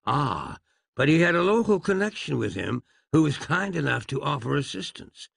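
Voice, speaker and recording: A man's voice: on the high side, sing-song, moderate pace, creaky, fairly bright tone, breathy edge, dry recording, pitched above the performer's own voice, full character voice. A man voicing a fussy, polite, educated doctor who speaks in a prim, formal, wordy way.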